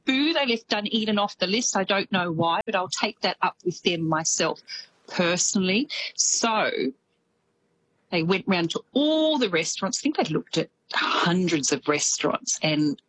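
Low-voiced Australian woman, chatty correspondent. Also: a bit bright, slight background noise, poor audio. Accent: Australian with some New Zealand. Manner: chatty, laughs easily. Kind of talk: radio correspondent chat.

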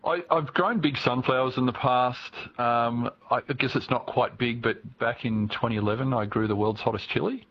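A man, a giant pumpkin grower, explaining his growing in an easygoing, relaxed way. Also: mid-range voice, normal speed, few pauses, muffled recording.

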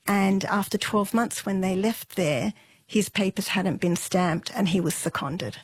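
A middle-aged woman telling an interviewer her family's history in a relaxed, unhurried way, with fillers and soft laughs. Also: mid-range voice, breathy edge, no room sound. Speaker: interview guest.

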